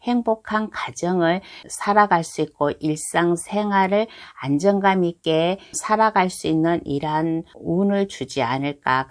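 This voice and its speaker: A woman giving a tarot reading to her viewers, talking in a slow, reassuring way and circling back over her phrases. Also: low voice. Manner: slow, reassuring, repeats phrases and hedging endings. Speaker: tarot reader.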